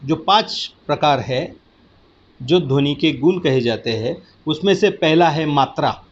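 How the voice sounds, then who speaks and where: Slow, patient Hindi-lesson man teacher. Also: fairly high pitch, expressive, lo-fi sound. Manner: slow, patient explaining with repeated check-ins. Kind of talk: recorded lecture.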